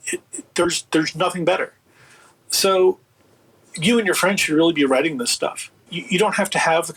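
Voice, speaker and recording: A man with a slightly husky voice speaking as an interview guest in casual, emphatic, opinionated, rambling talk. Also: a little high, a bit bright, rough recording. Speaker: guest, audio producer and writer.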